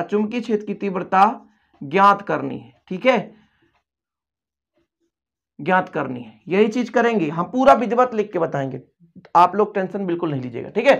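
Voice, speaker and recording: A patient, repetitive coaching-class physics teacher. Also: male voice, high voice, vocal fry, lo-fi sound. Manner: repetitive, coaxing, addresses pupils as dear children; slowly dictates notes word by word. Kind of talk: Hindi-medium classroom lecture at a board.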